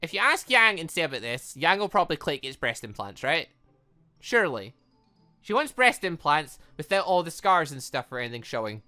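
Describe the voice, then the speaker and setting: A gaming host talks through a visual novel in an animated, exclamatory way. The voice is bright and swings widely in pitch, sitting in a middle register. Music plays behind the commentary. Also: a little fast. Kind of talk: let's play commentary, reading visual novel dialogue aloud.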